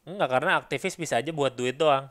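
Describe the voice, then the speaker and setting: A man's voice: mid-range voice, quick pace, a bit bright. A man, co-hosting a casual chat, joking and laughing often in slangy banter. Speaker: co-host.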